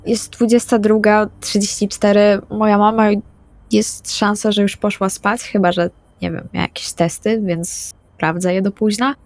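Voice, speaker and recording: A woman's voice: medium pitch, flat delivery, moderate pace, dry recording, lightly acted. A woman playing an anxious, literal-minded young female vampire in an improvised tabletop roleplay, speaking plainly and hesitantly.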